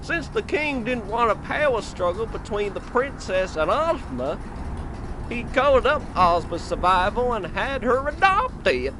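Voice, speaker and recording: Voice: medium pitch, very animated, a little slow. An actor voicing a sassy female talking chicken in an audio drama, with a blunt, snippy manner. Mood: earnest, explanatory. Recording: faint background noise.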